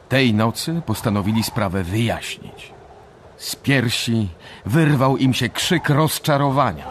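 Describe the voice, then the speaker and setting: An actor playing a grave narrator of dark stories in a scripted radio drama. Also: male voice, fairly low pitch. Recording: clearly noisy background.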